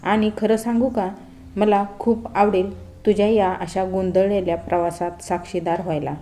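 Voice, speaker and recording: A woman's voice: mid-range voice, level tone, moderate pace, mellow, a little hiss or hum, lightly acted. A woman voicing a confident young man who teases his bride-to-be in a playful, self-assured way. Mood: teasing.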